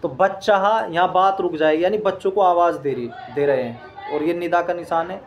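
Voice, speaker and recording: A man's voice: sits high, fairly quick, dull audio. A man teaching a lesson. He reads each Persian phrase aloud, then patiently explains and translates it word by word, repeating key points.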